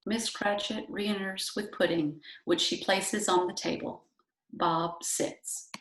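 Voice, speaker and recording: A woman's voice: mid-range voice, fairly even intonation, slow, fairly bright tone. A woman narrator reading stage directions from a script in a plain scripted style. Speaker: narrator, library staff. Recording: echoey room with background noise, clicks.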